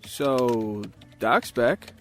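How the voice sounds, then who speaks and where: A man's voice: medium pitch, animated, very slow, a little hiss or hum. An actor playing an upbeat, well-meaning man with a casual, breezy manner in an audio drama. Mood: coaxing. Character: upbeat, well-meaning male colleague and friend.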